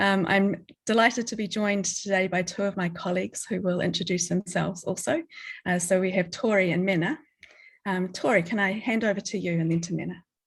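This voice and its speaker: This woman talks at a fairly quick pace with a medium pitch and a somewhat breathy quality. Her intonation stays fairly even. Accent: New Zealand. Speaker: workshop host, communications lead. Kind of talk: online workshop presentation.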